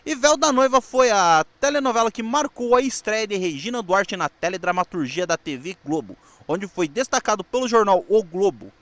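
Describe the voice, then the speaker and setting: A Brazilian man with a notably high voice narrates from a script. His intonation swings in a lively way, and the reading is slightly halting. The sound is dry and close, with very little room. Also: no echo. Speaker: presenter of a TV history show. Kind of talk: scripted narration about television history.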